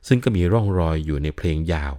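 A man's voice: low-pitched, animated, quick pace, warm tone. An older man giving a patient explanatory talk on classical literature, often adding polite particles. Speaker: lecturer on Thai classical literature.

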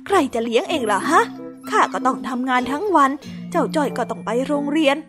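A woman voicing a gruff, scolding rural mother in a children's story drama, blunt and bossy. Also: high voice, big pitch swings, fairly quick. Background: background music.

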